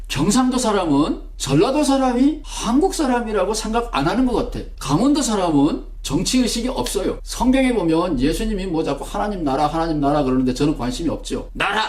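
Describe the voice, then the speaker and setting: A man from Gangwon Province, Korea, giving an online theology lecture and telling stories with lively acted-out quotes. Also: sits high. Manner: animated storytelling, acting out quoted remarks.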